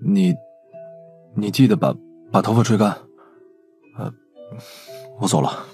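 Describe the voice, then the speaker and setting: A man voicing an awkward, gently concerned man in love in an audiobook, speaking hesitantly. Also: lowish voice, big pitch swings, measured pace, creaky, faint music behind, full character voice. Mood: tender, hesitant. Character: awkward, tender, lovelorn man, a company president.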